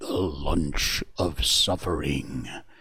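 A man's booming, very deep put-on character voice. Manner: big, dramatic.

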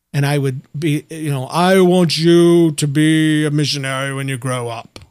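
A man's booming, put-on character voice at a fairly high pitch and a moderate pace.

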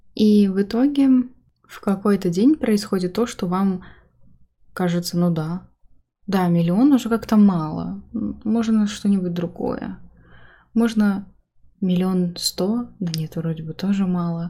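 Very slowly and with long, frequent pauses, a woman speaks at medium pitch with a dark, mellow tone, ordinary pitch variation and a somewhat breathy quality. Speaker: life coach and podcast host. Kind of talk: casual solo podcast monologue.

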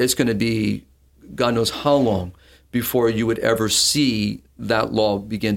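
A man talks at a moderate pace with vocal fry. His intonation stays fairly even. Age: 50s. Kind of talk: conversational interview. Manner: repetitive, emphatic.

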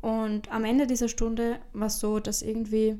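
Audible room echo surrounds a woman's fairly high-pitched voice, dark and mellow in tone. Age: 30s. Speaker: podcast co-host. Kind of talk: casual chat.

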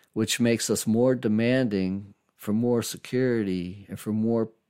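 A fairly low-pitched man's voice in a dark, mellow tone, fairly even in intonation, at a fairly slow pace on a very clean recording with a silent background. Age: 50s. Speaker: life coach and podcast host. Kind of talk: solo monologue.

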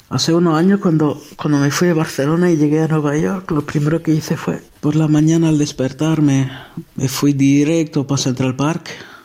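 A man speaks at a moderate pace with a fairly high pitch and fairly even intonation. Noticeable background noise runs underneath. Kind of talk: spontaneous spoken letter. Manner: halting, repeats words.

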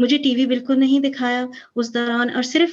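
The woman speaking has a high pitch. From United States. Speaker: children's book author, doctor. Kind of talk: interview.

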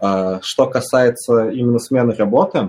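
The man's voice has a dark, mellow tone, a medium pitch and ordinary pitch variation. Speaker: iOS developer. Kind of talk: casual chat.

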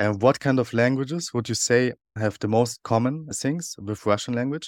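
A man with a German accent and ordinary pitch variation, in a very clean recording with a silent background and a dry, close sound with no echo. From Germany. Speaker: podcast host. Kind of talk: interview.

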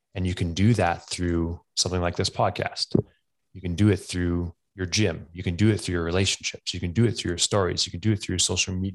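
At a fairly quick pace, a man speaks in a very deep, low voice with monotone, flat intonation. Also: quiet background. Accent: Canadian. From Alberta, Canada. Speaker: gym owner and fitness coach. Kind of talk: podcast interview.

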